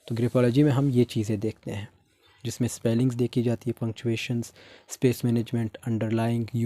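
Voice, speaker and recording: A young man teaching a stylistics lesson, explaining in Hindi and slowly reading out notes. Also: medium pitch, dark tone, no echo. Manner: mixes Hindi explanation with slow reading of English text.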